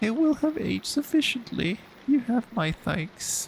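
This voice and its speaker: A put-on character voice, fairly high in pitch, delivers its lines at a moderate pace over clear background noise. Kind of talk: formal archaic fantasy speech. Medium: game stream. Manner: genteel, gracious.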